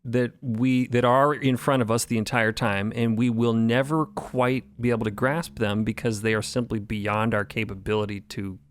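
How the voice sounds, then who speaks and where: Measured man, close dry sound. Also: medium pitch, fairly even intonation, dry recording. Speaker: podcast co-creator, panelist. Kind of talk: reflective roundtable discussion.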